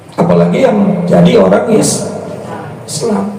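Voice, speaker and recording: Audible room echo and noticeable background noise around a man speaking at a moderate speed. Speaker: Islamic preacher. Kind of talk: religious study lecture. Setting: PA system. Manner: conversational, asks audience questions.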